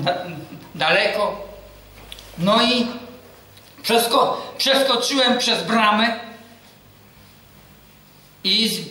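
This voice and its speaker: Guy preaching, really high bright voice, asks the church stuff then answers it himself, big echoey hall. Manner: asks the congregation questions and answers them himself; tells personal stories with lively quoted dialogue. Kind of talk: sermon.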